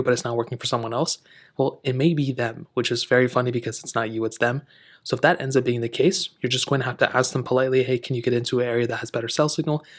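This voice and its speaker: A man hosting a how-to tech video, explaining steps in an informal, chatty way. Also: mid-range voice. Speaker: tech tutorial host. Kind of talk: casual how-to tutorial narration.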